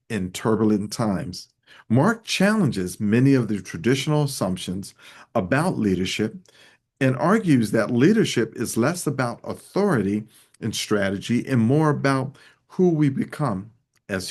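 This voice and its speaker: A man hosting a leadership interview show, opening with a formal, measured scripted introduction. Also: medium pitch, darkish tone. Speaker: show host.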